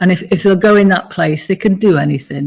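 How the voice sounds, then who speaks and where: Pitch varies in an ordinary way as this somewhat breathy voice moves along fairly quickly. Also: woman. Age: 60s. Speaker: business coach and leadership speaker. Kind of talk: interview.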